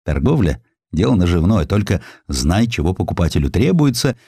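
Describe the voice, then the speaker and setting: A man's voice: deep voice, very animated, brisk, dark tone, husky, no room sound, clean studio sound, full character voice. A man voicing an old merchant in an audiobook, reminiscing fondly in a savouring, folksy manner. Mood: fond wonder.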